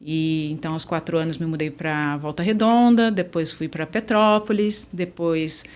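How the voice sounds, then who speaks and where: A Brazilian conference interpreter, a woman with a deep, smooth voice, guests on a podcast. She speaks at a moderate pace with fairly even intonation, telling stories warmly and chattily in a friendly, easygoing interview chat.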